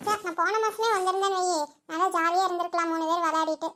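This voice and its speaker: Cartoon voice actress, very high voice, quick chatty village banter. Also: female voice, steady tone, bright, forceful tone. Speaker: narrator voicing all characters. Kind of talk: cartoon voice acting.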